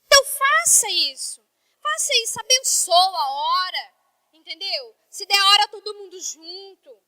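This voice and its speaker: A woman's voice: extremely high pitch, animated, measured pace, bright, forceful tone, no room sound. A woman pastor in her thirties from Brazil, preaching a sermon in a conversational, emotional way.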